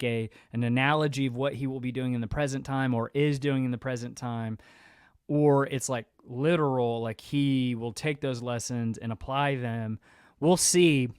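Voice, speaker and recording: A man's voice: mid-range voice, dry recording. Male podcast host, informal and earnest, conversational explainer, dry studio-tight sound. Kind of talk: casual podcast discussion.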